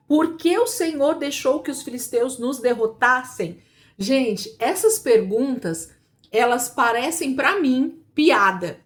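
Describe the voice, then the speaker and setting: A woman teaching a Bible class in a conversational, emphatic way, asking rhetorical questions and slowing down to stress her points. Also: on the high side.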